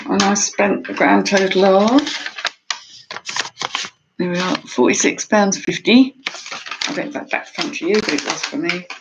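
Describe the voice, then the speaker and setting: Streaming live from a room by her window at home, this woman reseller vlogger talks casually and welcomes viewers by name, a bit winded. She speaks at medium pitch, somewhat slowly with frequent pauses, over very noisy audio.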